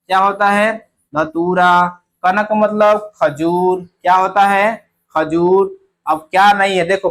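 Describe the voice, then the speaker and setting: A man's voice: sits high, fairly bright tone. A young adult man teaching an exam-prep grammar lesson, chatty and repetitive, who quizzes his listeners with rhetorical questions and drags out sounds when he demonstrates them.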